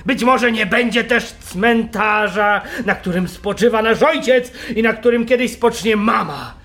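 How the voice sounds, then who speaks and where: An actor playing a bitter drunk man who shouts and rants at his family in a radio play. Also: high voice, unhurried. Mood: grieving. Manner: shouting, ranting, accusing. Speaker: radio drama character.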